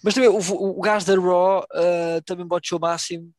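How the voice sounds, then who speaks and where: A man's voice: high-pitched, fairly even intonation, moderate pace, darkish tone, dry recording. A young man in casual podcast chat, slangy, repeating words as he searches for phrasing and mixing in English. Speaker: wrestling podcast co-host.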